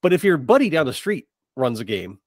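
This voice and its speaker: A man's voice: on the high side, big pitch swings, brisk, no room sound, clean studio sound. A middle-aged man in casual podcast discussion, hesitant and repeating words as he works out his thoughts. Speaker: podcast host. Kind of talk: casual discussion of tabletop gaming.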